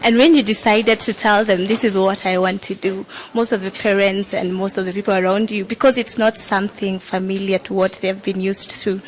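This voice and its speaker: A woman's voice: medium pitch, fairly even intonation, brisk, hardly any pauses, a little hiss or hum, rough recording. A woman hosting a radio interview, asking friendly, chatty questions.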